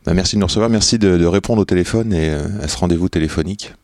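Deep-voiced man hosting an interview. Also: background noise. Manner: friendly, joking, quick questions. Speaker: podcast host. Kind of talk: casual interview.

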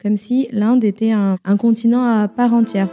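A woman's voice: on the high side, steady tone, normal speed, loud music behind the voice. A woman guest speaking plainly and matter-of-factly. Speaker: podcast guest.

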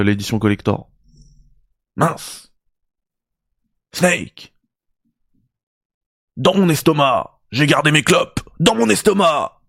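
A man's voice: on the high side, no room sound, studio quality. A young man hosting a gaming video, ranting in a mock-outraged, ironic, familiar way. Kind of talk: sarcastic gaming rant.

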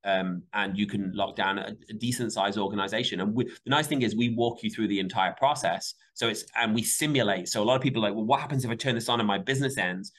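A man with a Michigan accent, a company CEO answering interview questions in an animated way. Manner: animated, quick pitch jumps when stressing points. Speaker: CEO and guest.

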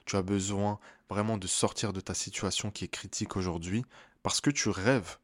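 A deep-voiced male relationship coach hosts a podcast interview and outro. His manner is encouraging and affirming, punctuated by many back-channel hums.

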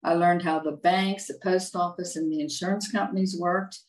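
A woman's voice: fairly low pitch, fairly even intonation, normal speed, echoey room. An older woman from Virginia with an American accent, a native English speaker answering interview questions carefully. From United States, Virginia. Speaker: guest.

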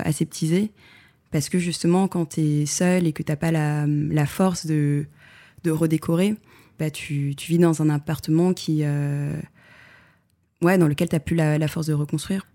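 A woman photographer answering interview questions in a reflective way, pausing often with fillers and restarting her sentences. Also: sits low, fairly even intonation, mellow. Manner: hesitant, many fillers and restarts.

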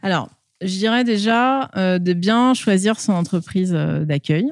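Interview guest: woman, mid-pitched, hesitant and conversational, speaking through a face mask in a dry recording. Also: no echo. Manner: hesitant, halting delivery with frequent filled pauses. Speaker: interview guest, school staff working with companies and alumni.

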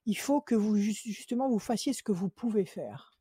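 A woman's voice: medium pitch, lively intonation, moderate pace, warm tone, breathy edge. A woman working as a psychic on a call-in show. She gives firm advice again and again and counts cards under her breath. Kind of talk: phone consultation with card reading.

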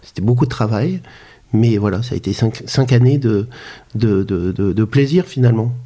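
French guy in his 50s, guest on a podcast, lots of ums and restarts, dark husky voice. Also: lowish voice. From France. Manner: hesitant, halting, many fillers and restarts. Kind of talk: conversational interview.

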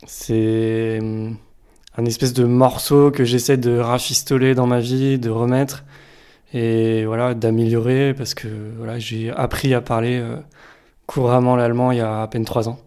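A man's voice: mid-range voice, level tone, measured pace, mellow, clean tone. A man recounting his childhood in an interview, plain and reflective. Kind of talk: personal testimony.

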